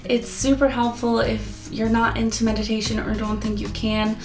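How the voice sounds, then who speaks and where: Hoarse young woman, gravelly vlog voice. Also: a little high, little pitch movement, normal speed. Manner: chatty, earnest, rambling. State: losing her voice. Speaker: app reviewer. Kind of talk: casual review vlog. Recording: echoey room with guitar music.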